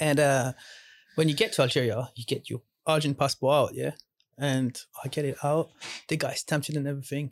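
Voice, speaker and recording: A man with a French accent, fairly even in intonation, with long, frequent pauses, dry and close with no echo, on a very clean recording with a silent background. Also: fairly quick pace. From France, Lyon. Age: 30s. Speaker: cook and social media video maker. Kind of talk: casual chat. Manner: halting.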